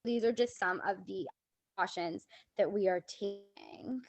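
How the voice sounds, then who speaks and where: A woman's voice: medium pitch, measured pace, no room sound. A woman giving a polite presentation at a public meeting over a video call, her voice cutting in and out on a bad connection, with frequent "um" fillers.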